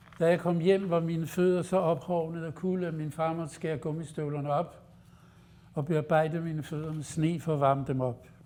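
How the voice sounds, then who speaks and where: This man speaks at a moderate pace with a fairly high pitch and a dark, mellow tone. His intonation is flat and monotone. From Denmark, Copenhagen. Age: 80s+. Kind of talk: talk to school pupils.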